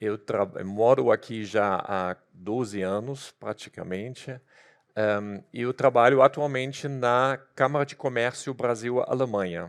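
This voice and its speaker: A man's medium-pitched voice with a German accent, ordinary pitch variation and a fairly slow pace over a quiet background. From Germany. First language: German (speaking Portuguese). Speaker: energy transition director. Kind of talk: conference talk. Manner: halting, many fillers.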